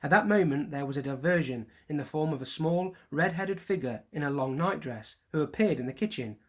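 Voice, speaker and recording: A teacher reads a children's novel aloud for a primary class. The voice rises and falls widely through the narration. The pitch sits in the middle of the range. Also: a little fast, dull audio. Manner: lively expressive storytelling.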